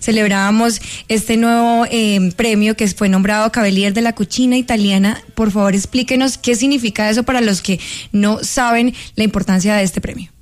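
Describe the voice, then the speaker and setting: A woman interviewer who sets up the topic and asks formal questions in a smooth way. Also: mid-range voice, steady tone, moderate pace.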